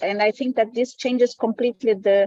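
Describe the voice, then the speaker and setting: With a Portuguese accent, a woman speaks with fairly even intonation in a dry, close sound with no echo. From Mozambique. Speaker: literary translator. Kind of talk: panel discussion.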